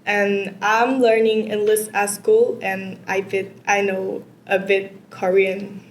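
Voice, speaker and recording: Slow, hesitant Vietnamese woman candidate. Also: medium pitch, flat delivery. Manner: hesitant, many fillers and repeats. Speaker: test candidate. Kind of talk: answering exam questions. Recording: echoey room with faint noise.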